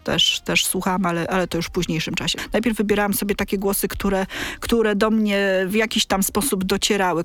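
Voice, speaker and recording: A middle-aged woman, a librarian, talks casually in a podcast conversation. Her voice sits at a middle pitch. She speaks unhurriedly, stopping to search for words and repeating little phrases as she goes. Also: no echo. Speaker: librarian in a talking-book department.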